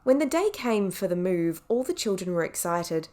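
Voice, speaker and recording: A woman's voice: medium pitch, very animated, normal speed, mellow. A woman reading scripted audiobook narration as a professional narrator.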